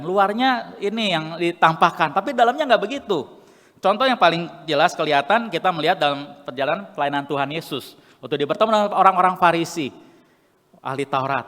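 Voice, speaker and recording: A pastor preaches in a fairly high male voice. His pitch swings up hard on questions and drops low when he speaks to the congregation. A long church reverb trails his words. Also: fairly bright tone. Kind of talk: sermon. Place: church sanctuary.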